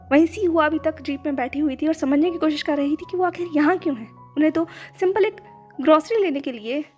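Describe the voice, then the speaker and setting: High-voiced woman narrating a story. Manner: flowing, expressive storytelling. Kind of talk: narrated fan fiction story. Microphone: phone recording. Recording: dull lo-fi voice with background music.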